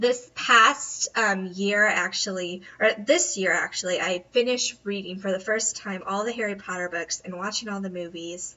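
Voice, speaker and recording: A medium-pitched woman's voice with an American accent, against noticeable background noise. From US Midwest, Michigan. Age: 20s. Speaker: vlogger. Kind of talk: casual vlog monologue. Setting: living room at home. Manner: chatty, many fillers.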